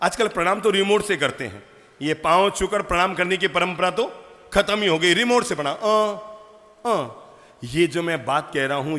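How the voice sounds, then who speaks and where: A man, a Jain monk, giving an animated sermon full of rhetorical questions and acted-out family scenes. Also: on the high side. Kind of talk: sermon to a live audience. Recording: long hall reverb.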